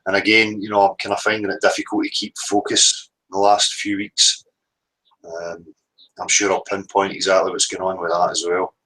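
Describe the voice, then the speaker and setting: A man's voice: low-pitched, completely flat delivery, moderate pace, sharp tone, poor audio. A man with a Northern Irish accent hosting a live stream, musing in a rambling, reflective way with casual swearing and an easy, unscripted flow.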